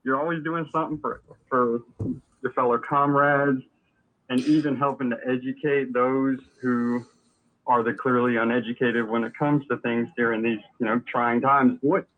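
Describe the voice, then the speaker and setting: Earnest male caller, measured delivery, heard through a tinny phone line. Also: mid-range voice. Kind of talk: phone call-in chat.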